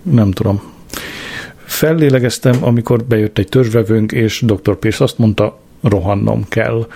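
Gravelly, dark-voiced male narrator. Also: fairly low pitch, steady tone. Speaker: audiobook narrator. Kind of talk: diary narration reading.

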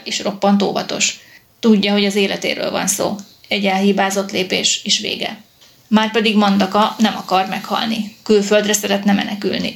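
A woman reading the lines of a calm, weary old male police captain in an audiobook. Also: mid-range voice, vocal fry, close to an everyday voice.

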